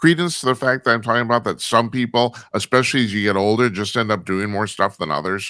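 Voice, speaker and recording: A man talks at a very fast pace with hardly any pauses, at a medium pitch with ordinary variation. His tone is bright and sharp, and the recording is very clean with a silent background. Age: 60s. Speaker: radio host. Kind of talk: casual chat. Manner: halting.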